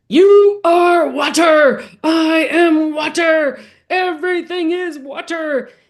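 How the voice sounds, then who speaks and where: Put on as a character voice, this resonant delivery moves at a very slow pace. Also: woman, extremely high pitch for a woman. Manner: commanding.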